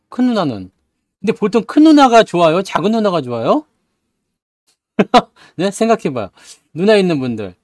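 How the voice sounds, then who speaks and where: A man's voice: on the high side, darkish tone, dry recording, studio quality. Chatty man greeting stream viewers. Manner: chatty, joking, laughs often, reads viewer names. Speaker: stock market livestream host. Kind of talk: casual live-stream chat greeting viewers.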